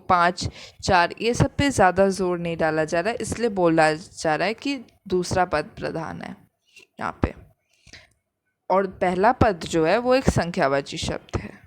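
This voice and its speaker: A woman's voice: fairly low pitch, dry recording. A woman teaching a grammar lesson, patiently repeating each example and explaining it step by step.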